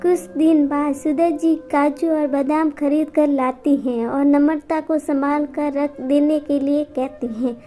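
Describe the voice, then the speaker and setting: A woman reads out a family moral story in a calm, unhurried way, her voice high and soft in tone. Her pace is slow and even. Faint music plays behind her. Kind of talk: scripted story narration.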